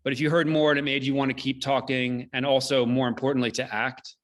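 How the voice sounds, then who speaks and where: A man hosting an online event, giving measured, solemn closing remarks with deliberate rhetorical repetition. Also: medium pitch, little pitch movement. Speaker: host, theater company director. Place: indoors, online video call.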